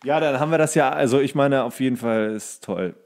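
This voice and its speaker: A man's voice: medium pitch, brisk, darkish tone. A man in his thirties co-hosting a podcast, speaking in casual, colloquial chat. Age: 30s. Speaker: podcast co-host.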